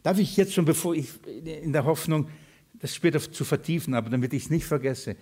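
A man delivers a sermon to his congregation. His voice sits fairly high, and he swings between loud, urgent calls and quiet, soft asides, often asking the listeners questions. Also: brisk, husky. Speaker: pastor.

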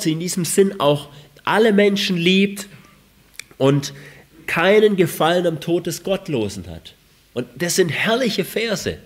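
A man preaching a sermon with a cold, reading scripture with rising emphasis and asking rhetorical questions. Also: a little high. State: has a cold.

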